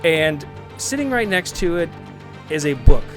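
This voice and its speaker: Higher-pitched man improvising as game master. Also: sing-song, music in the background. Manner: halting, hedging delivery. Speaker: game master and podcast host. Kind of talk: improvised tabletop game narration.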